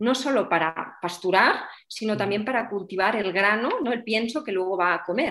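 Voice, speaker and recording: An unremarkable speaking voice, this woman's sits at a fairly high pitch with ordinary pitch variation. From Andorra. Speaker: nutritionist and university lecturer. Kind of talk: interview.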